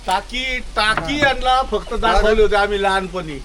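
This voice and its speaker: A man's voice: high voice, normal speed, over a noisy crowd. A man chatting casually on a farm, teasing and telling a family story. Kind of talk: casual chat.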